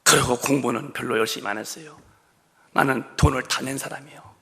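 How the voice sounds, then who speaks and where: A man's voice: mid-range voice, steady tone, fairly quick, gravelly, sharp tone. A male pastor preaching a sermon in a church, telling an emotional story and breaking it up with rhetorical questions. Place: church sanctuary.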